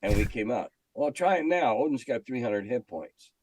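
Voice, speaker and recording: A man's voice: medium pitch, animated, moderate pace, darkish tone, dry recording. An older American man reminiscing in an interview in a blunt, salty, opinionated way. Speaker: veteran game editor being interviewed.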